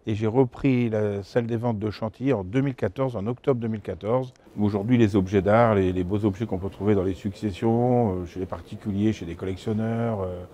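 A man's voice: on the low side, steady tone, brisk, hardly any pauses, mellow. A man in his fifties from France, an antiques dealer answering informally in an interview. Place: exhibition hall stand, indoors. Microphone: lapel mic.

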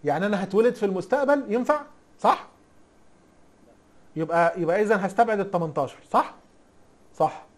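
An IT instructor's high-pitched, expressive voice moves a little fast, broken by long pauses. Teaching a casual recorded lesson in an Egyptian accent, he stays chatty and teasing and keeps quizzing the class rhetorically.

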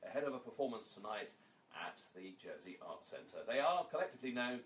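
A man's voice: medium pitch, animated, a little fast, a bit bright. A middle-aged man speaking as a radio presenter, chatting and making live introductions in a noisy room. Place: indoor office room at a radio station. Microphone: handheld reporter microphone with headphones. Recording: noisy room recording on camera.

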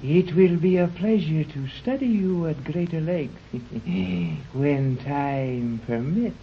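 A cold, superior master of a secret scientific island, talking down to strangers in a slow, measured way. His voice sits at a middling pitch. It comes through a dull, lo-fi 1930s radio recording with a faint hiss. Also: vocal fry. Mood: haughty. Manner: slow, pompous and condescending. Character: haughty superior man of a hidden scientific colony. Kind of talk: 1930s radio drama acting.

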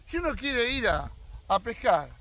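A man's voice: very high-pitched, big pitch swings, a little slow, sharp tone. A man in his sixties with an Argentine accent, giving his opinions straight to viewers in a casual fishing vlog, speaking outdoors on his land. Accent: Argentine Spanish. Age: 60s. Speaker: fishing vlogger.

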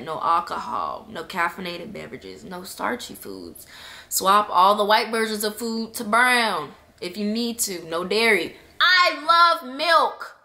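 A woman's voice: mid-range voice, pushed and bright. A young woman talking to her viewers in a personal vlog, emotional and crying at times, calling them y'all. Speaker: vlogger. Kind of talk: personal vlog talk to camera.

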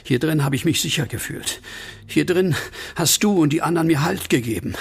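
An actor playing a troubled, grieving widower in a horror radio play, brooding and heavy-hearted. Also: male voice, on the high side, animated, fairly quick, gravelly. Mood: anxious, desperate. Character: troubled, grieving widower just released from asylum. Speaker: lead actor and first-person narrator. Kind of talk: German horror audio drama acting.

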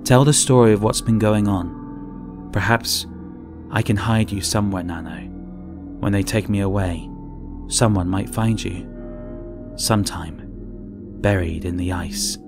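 A man reading an audiobook, voicing a frightened, trapped woman journalist who mutters urgently, swinging between loud outbursts and whispers. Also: on the low side, a little slow, long pauses, music in the background, close to an everyday voice. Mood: frightened, desperate. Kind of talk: first-person audiobook reading.

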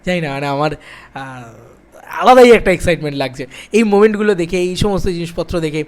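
A young man chatting to camera as a film vlogger, excited and piling up repeated phrases. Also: on the high side, a little fast, smooth. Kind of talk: casual direct-to-camera film chat.

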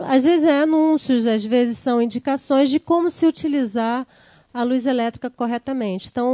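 A woman's voice: high-pitched, mellow, no room sound. A woman giving an academic lecture, explaining slides and checking in with the audience. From Brazil. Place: lecture room.

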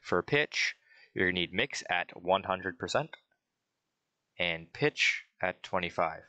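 Deep-voiced, bright-toned casual man. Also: lively intonation, slow pace, a little hiss or hum. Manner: rambling, with restarts and fillers, reads out settings. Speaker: tutorial creator. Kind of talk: casual spoken tutorial.

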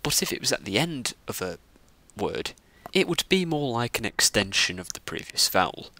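A man teaching the Latin alphabet, explaining each letter slowly and carefully. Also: mid-range voice, big pitch swings, sharp tone. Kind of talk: scripted lesson narration.

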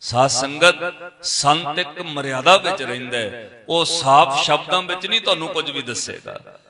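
A male preacher telling a story in a sermon, dramatic, swinging between loud and hushed. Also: fairly high pitch, moderate pace.

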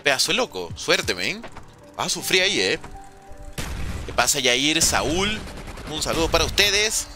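Venezuelan male streamer, thirties, casual and animated, game music underneath. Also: on the high side, measured pace, long pauses. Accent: Venezuelan Spanish. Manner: casual, chatty, hums and sings little sounds while playing. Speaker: gaming streamer. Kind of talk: live gameplay commentary reading chat.

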